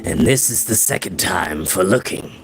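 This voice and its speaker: Man reading as solemn old sage, slow and measured. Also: low-pitched, animated, faint music behind, voice pushed down. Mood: solemn, careful.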